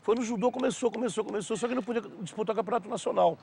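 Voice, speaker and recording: Fast-talking high-voiced man. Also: creaky, a little mellow, slight background noise. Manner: brisk anecdotal storytelling. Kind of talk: documentary interview.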